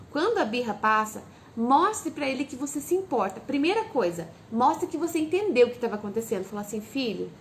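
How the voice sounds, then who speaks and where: Woman with a high voice coaching parents on tantrums, answers her own questions, soft faint noise behind her. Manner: acts out calm, soft lines a parent says to the child. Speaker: parenting educator. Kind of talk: direct-to-camera parenting advice.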